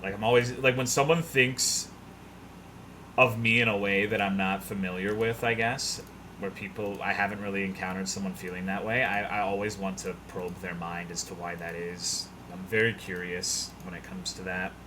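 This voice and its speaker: A man chatting casually on a livestream, rambling and swearing in a self-deprecating, animated way. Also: low voice, moderate pace, a little hiss or hum. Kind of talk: casual livestream chat, reading viewers' messages aloud.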